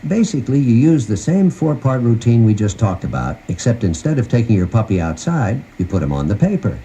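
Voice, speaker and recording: On a 1990 cassette tape with faint noise underneath and poor audio, the host of a puppy training guide narrates. His warm, mellow voice moves fairly quickly, lively and varied in pitch, folksy and conversational as if chatting with the listener.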